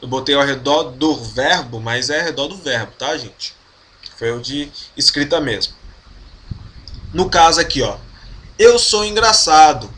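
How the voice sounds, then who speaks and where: A man teaching a French grammar lesson in Portuguese, explaining slowly and patiently, often checking that the viewer follows. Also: medium pitch, animated, pushed and bright. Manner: slow, patient explaining with frequent check-ins. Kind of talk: online language lesson.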